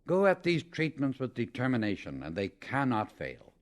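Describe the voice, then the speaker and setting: A man narrating a scripted spiritual audiobook in a measured, emphatic, instructional manner. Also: mid-range voice, wildly swooping pitch.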